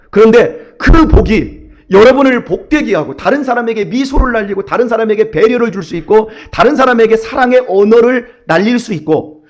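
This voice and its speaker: A male pastor preaching an early-morning sermon, telling a personal story and acting out his own thoughts and prayers with animated delivery. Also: sits high.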